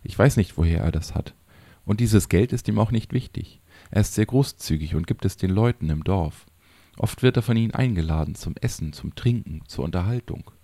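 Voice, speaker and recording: A man's voice: sits low, gravelly, dark tone, no room sound. A man voicing a talkative elderly village woman in an audiobook, in a chatty and admiring tone.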